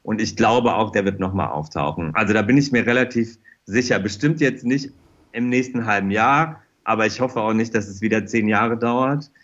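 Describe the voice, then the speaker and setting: A man's voice: on the low side, normal speed, a bit bright. Slightly muffled, chatty man in casual interview. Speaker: interview guest, fashion designer.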